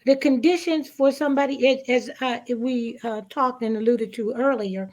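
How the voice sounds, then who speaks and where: A woman guest speaking reflectively in a panel interview, with emphatic, deliberate phrasing and pauses. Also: high voice, darkish tone. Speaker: stage play cast member, guest.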